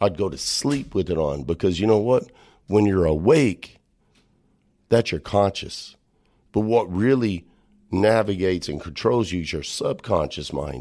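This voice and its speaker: A man with an American accent, a fairly low pitch, a dark, mellow tone, lively intonation, a fairly slow pace and long, frequent pauses, in a very clean recording with a silent background. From Texas Panhandle. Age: 40s. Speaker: entrepreneur. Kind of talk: casual interview chat. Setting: studio.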